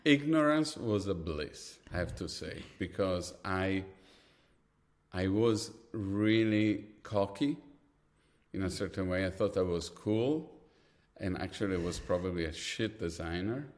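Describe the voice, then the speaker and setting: A man's voice: deep voice, measured pace. A man from Italy, a designer guest in a casual interview, talking candidly and mocking himself with casual swearing.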